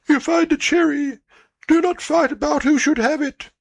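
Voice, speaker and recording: A man voicing old parent parrots in a storybook reading, in a high squawky voice. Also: steady tone, normal speed, gravelly, no room sound. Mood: warning.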